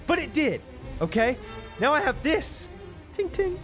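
Picture a smug hook-armed villain who gloats and monologues like a cheap stage baddie, as a man hams him up. His voice swoops through a lively range. Faint music sits underneath. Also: very high voice, measured pace, exaggerated voice. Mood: gloating. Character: evil hook-armed male realtor villain, smug and theatrical.

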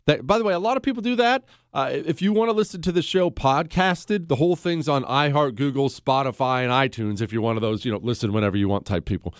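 A man hosting a talk radio show in an animated, sarcastic monologue, his voice slightly stuffy from allergies. He talks at a mid pitch that jumps high when he mocks and drops low when he turns serious. The studio sound is close and dry. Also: fast, few pauses, dry recording. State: congested from allergies.

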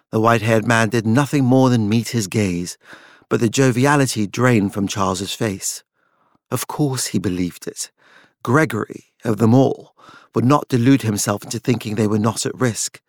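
A man's voice: lowish voice, moderate pace, no echo, clean studio sound. A man reading literary fiction aloud as a scripted audiobook narration.

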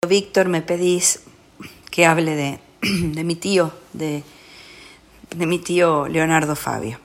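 A woman with an Argentine accent giving a personal spoken tribute as a guest, reflective and halting, with frequent pauses. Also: sits low. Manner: halting, reflective, pausing often.

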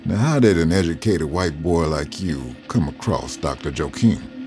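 An actor playing an elderly former slave and Union veteran who is guarded, wry and folksy. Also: male voice, very deep voice, expressive, normal speed, a little mellow, faint music behind. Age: older. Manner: wary, folksy, drawling. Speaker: interviewee.

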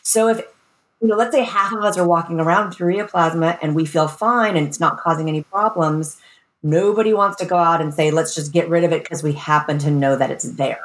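A woman's voice: sits low, a little fast, rough recording. An American woman speaking as a medical expert guest, explaining things in an informal, plain-spoken, conversational way.

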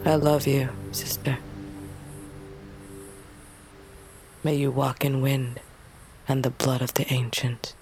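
Slow, grieving young tribal woman. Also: a bass voice, flat delivery, darkish tone. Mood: pleading. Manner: halting, intimate, slipping into whispers. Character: grieving young tribal butcher, yearning daughter of a queen. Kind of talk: dramatic audio fiction monologue. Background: music bed.

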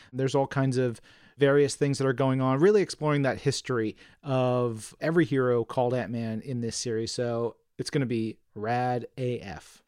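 A man co-hosting a comics news show, bursting with excitement and casual slang. The recording is dry and close, with no room sound, and his voice sits at a middle pitch. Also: clear, resonant tone, dry recording. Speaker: co-host. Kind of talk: casual chat.

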